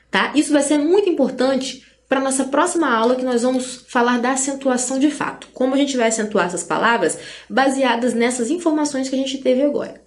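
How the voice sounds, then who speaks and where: A woman with a Brazilian Portuguese accent teaching an online grammar lesson, explaining patiently and checking in often with her listeners. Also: high voice.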